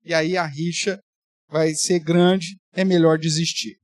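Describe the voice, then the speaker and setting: A man's voice: fairly high pitch, flat delivery, slow, dry recording, clean studio sound. A man, a pastor teaching a Bible study in a conversational way with playful exaggeration. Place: church.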